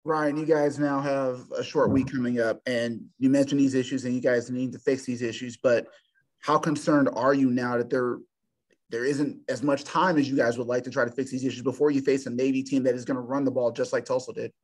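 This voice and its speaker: A man's voice: mid-range voice, steady tone, brisk. A male sports reporter asking a coach long, rambling questions at a press conference.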